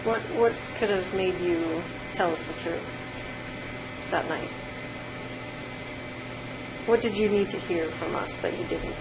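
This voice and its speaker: A woman's voice: lowish voice, slow pace, pauses often, noisy background. A woman asking questions as an investigator in a conversational interview.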